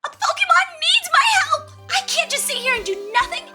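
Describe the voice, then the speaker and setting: A cartoon girl trainer, extremely high and squeaky, swooping eagerly through every phrase. She is bubbly, earnest and sincere, with music playing behind her. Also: sing-song, brisk. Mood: earnest, determined. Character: perky, earnest young girl Pokemon trainer. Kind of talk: animated parody voice acting.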